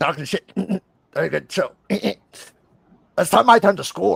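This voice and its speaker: In a raspy, put-on character voice, a man speaks at a fairly slow pace in a dry, close sound with no echo. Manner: dopey, cartoonish.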